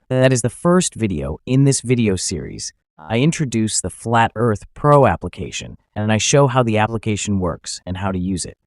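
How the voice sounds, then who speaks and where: A man's voice: lowish voice, darkish tone, no room sound, clean studio sound. Man narrating an app tutorial. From Finland. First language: Finnish. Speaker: YouTube channel host.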